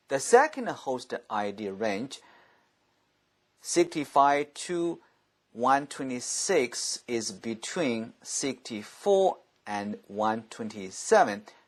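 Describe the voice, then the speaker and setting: A strong Chinese accent at a very slow pace over a quiet background. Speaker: tech tutorial creator. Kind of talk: tutorial.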